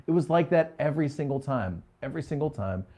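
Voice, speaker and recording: A man's voice: fairly high pitch, expressive, quick pace, mellow. A middle-aged man, a business coach, telling stories from his career in a home office in a casual way, often checking in with "okay?". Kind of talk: storytelling business talk to a live audience.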